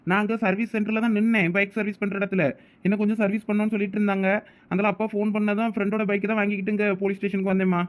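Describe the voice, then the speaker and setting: A man plays a polite, dutiful young son in a cartoon. His voice is high for a man and races along respectfully in a Thoothukudi Tamil accent. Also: level tone, very fast, natural voice. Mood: placating. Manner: respectful, explanatory. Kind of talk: cartoon village drama dialogue.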